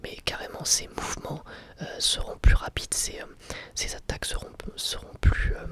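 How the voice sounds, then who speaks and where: An ASMR creator whispering a casual review, speaking haltingly in short phrases. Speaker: ASMR YouTuber reviewing anime.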